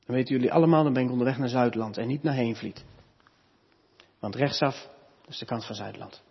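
Preacher man, husky, echoing church. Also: a little high. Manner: earnest teaching, rising emphatic on key points, dropping soft at ends. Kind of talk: sermon. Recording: reverberant church hall, dull lo-fi sound.

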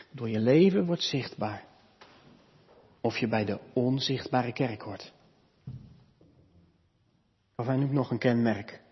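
A man preaching a sermon in a church, teaching earnestly, lifting his voice for emphasis and dropping soft at the ends of points. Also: mid-range voice, slightly rough. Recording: reverberant church hall, dull lo-fi sound.

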